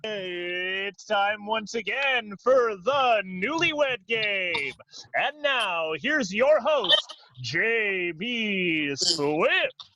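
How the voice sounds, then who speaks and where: A grand game show announcer, put on by a man, stretching every word very slowly. The voice is bright and showy, over a dull, slightly noisy mic in a parody sketch. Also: sits high, lively intonation, full character voice. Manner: drawn-out, showy.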